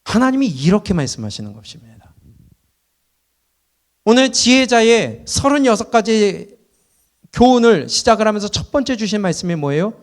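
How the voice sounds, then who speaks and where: A middle-aged man with a high-set voice preaches to his congregation in a church. He presses them with question after question, rising loud and then dropping low. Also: sing-song, normal speed, pauses often. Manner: preaching with rhetorical questions and shifts in loudness. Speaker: pastor. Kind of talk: sermon. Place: church sanctuary.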